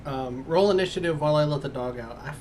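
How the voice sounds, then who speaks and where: A man runs a tabletop game over an online call, and his voice sits a little high. He sounds easily flustered. A faint hiss lies under his computer mic. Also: fast talker, darkish tone. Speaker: game master. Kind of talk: casual chat over a voice call.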